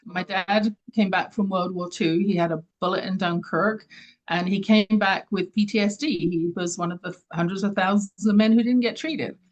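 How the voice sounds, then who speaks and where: A woman's voice: mid-range voice, fairly even intonation, normal speed, lo-fi sound. Earnest older Englishwoman. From London, England. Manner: earnest, emphatic, speaks with conviction. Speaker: guest, leadership coach and author. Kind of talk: interview answers.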